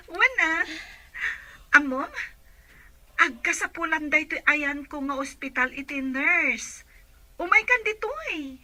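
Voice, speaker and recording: Actress as friendly hospital worker, Filipino accent, high pitch, slow pace, gushing eagerness, radio drama. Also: female voice, lively intonation, bright, forceful tone, full character voice. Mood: eager, friendly. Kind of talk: Ilocano radio drama acting.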